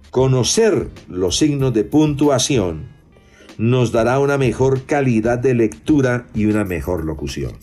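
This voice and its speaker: A man's voice: mid-range voice, darkish tone. A man teaching voice-over reading in a podcast lesson, demonstrating intonation with his own voice.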